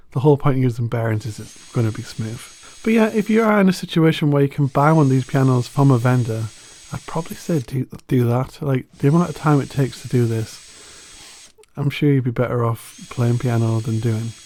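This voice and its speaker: A man talks at a fairly quick pace in a medium-pitched voice with ordinary pitch variation. His tone is dark and mellow, and somewhat breathy. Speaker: DIY maker. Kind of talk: casual DIY tutorial talk.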